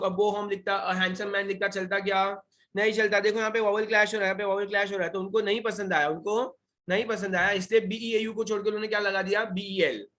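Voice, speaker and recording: High-voiced Indian man teaching French. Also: sharp tone. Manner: questioning, repeats key points, mixes Hindi and English. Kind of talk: online revision lesson.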